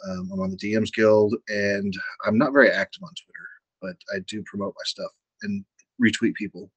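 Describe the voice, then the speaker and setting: A quiet, soft-spoken man hosting a live-stream chat, talking hesitantly with many fillers. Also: lowish voice, fairly even intonation, brisk, slightly rough, no echo, poor audio. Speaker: host.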